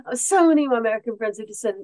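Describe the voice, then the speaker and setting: A woman's voice: a little high, animated, rapid-fire, a little mellow, low-quality recording. Reflective middle-aged woman, earnest guest. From born in South Korea, raised around Asia. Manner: reflective, earnest, searching for words. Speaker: guest author. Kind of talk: casual podcast conversation.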